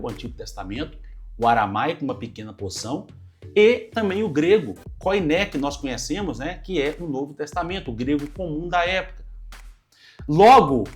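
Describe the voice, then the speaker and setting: Pastor, slightly high male voice, earnest Bible lesson over soft music. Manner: earnest teaching, addresses listeners as brothers. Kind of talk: Bible study teaching. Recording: light music underneath.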